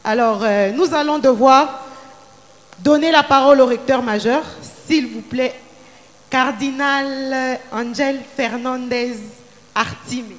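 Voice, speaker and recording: A woman's voice: sits high, slow. A woman hosts an event as master of ceremonies, announcing semi-formally with improvised, hesitant phrasing. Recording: long hall reverb.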